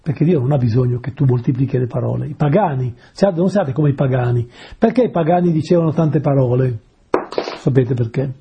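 A man's voice: mid-range voice, fairly quick, breathy edge, dull audio. A man preaching a conversational sermon, patiently explaining words and often asking his listeners rhetorical questions.

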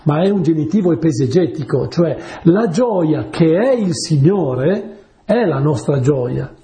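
A man's voice: on the high side, expressive, unhurried, mellow, echoey room. A man preaching a sermon in a chatty way, telling stories and often asking his listeners whether they follow. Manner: chatty, asks the audience "capite?".

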